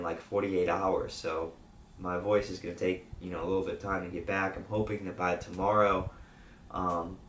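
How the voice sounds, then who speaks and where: Updating his channel, a young adult man rambles along in a weak voice hoarse from a sore throat, full of fillers and false starts. He's low-pitched, recorded far from the mic in a roomy space with faint background noise.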